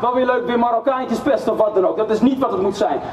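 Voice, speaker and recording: With audible room echo and light background noise, a man speaks very fast at an extremely high pitch. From Amsterdam, Netherlands. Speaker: youth worker and protest speaker. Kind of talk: protest speech to a crowd. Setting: outdoors at a demonstration with crowd. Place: street. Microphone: podium.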